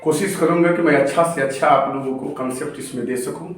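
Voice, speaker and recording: A man teaching chemistry as a classroom lecture, repeating key terms slowly and stretching them for emphasis. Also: fairly high pitch, slight background noise. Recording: very echoey room, voice from a distance.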